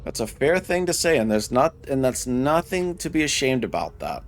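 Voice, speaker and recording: A Michigan streamer in his thirties chats with viewers while gaming, his mid-range voice very animated at a normal pace. He rambles, restarts sentences often, and reads and answers chat.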